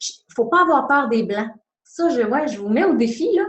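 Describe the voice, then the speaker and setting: A woman speaks in a normal speaking voice at a fairly high pitch. Her pace is moderate and her pitch varies in an ordinary way. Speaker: communication consultant. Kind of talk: webinar presentation. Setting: online webinar.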